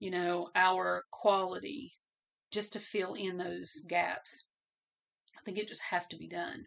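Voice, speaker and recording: A woman with vocal fry speaks at medium pitch and a very slow pace, using ordinary pitch variation and long, frequent pauses. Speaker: true crime podcast host. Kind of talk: podcast monologue.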